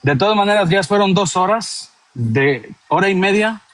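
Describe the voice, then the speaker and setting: A man from Mexico joining a live online debate, speaking in an approving, measured way. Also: high-pitched, animated, fairly bright tone, no room sound. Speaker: debate participant.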